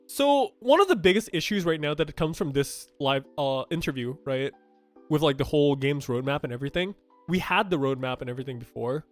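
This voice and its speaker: A man's voice: on the high side, fairly quick, faint music behind. Young Thai man, casual gaming rant. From Thailand. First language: Thai and Japanese. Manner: chatty and blunt, with frequent fillers and restarts. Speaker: gaming streamer. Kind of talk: casual game news reaction commentary.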